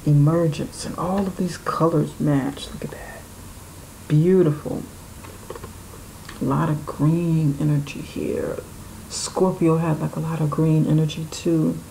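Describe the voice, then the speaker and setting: A woman's voice: deep voice, fairly even intonation, unhurried, gravelly, warm tone, a little hiss or hum, low-quality recording. A woman giving an intuitive tarot reading, musing aloud and speaking to spirit and the viewer. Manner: musing, talks to spirit and viewer, laughs often. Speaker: tarot reader.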